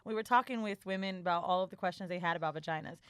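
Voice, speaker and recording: A woman's voice: fairly low pitch, very fast, clear, resonant tone, dry recording, studio quality. A woman hosting a podcast in casual conversation, asking frank, probing questions. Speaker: podcast host. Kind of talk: casual chat, interviewing. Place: podcast studio.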